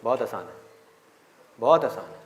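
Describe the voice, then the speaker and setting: A middle-aged man giving a live motivational talk to students, animated and playful, acting out their voices. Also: on the low side, moderate pace. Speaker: motivational speaker. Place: large hall with an audience. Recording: echoey hall recording with audience.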